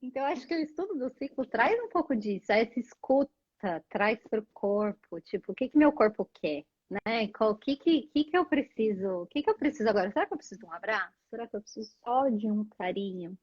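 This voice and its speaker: A woman with a Brazilian accent tells stories on a live stream, her husky, high voice full of energy. She acts out what people said as she goes. The sound is a little muffled. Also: a little fast. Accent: Brazilian Portuguese. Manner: animated storyteller, acts out dialogue. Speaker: guest. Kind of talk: casual storytelling on a live stream.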